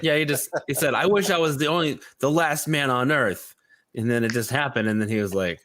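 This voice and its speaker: A man's voice: medium pitch, fairly quick, a little hiss or hum. A man co-hosting a comedy morning show, riffing and joking in rambling banter. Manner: animated, rambling jokester.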